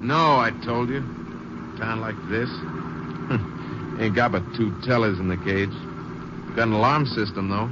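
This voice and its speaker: An actor playing an impatient, cocky ex-convict bank robber in a 1950s western radio drama, with clipped rural slang. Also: male voice, on the low side, takes it slowly, long pauses. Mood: impatient, defensive. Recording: muffled, noisy old radio recording.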